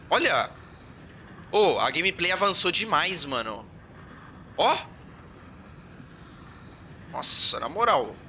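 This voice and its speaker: A man with a Brazilian Portuguese accent giving casual let's-play commentary, excitable and joking, swearing and talking to himself as he plays. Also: on the high side, slight background noise. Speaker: gaming channel host.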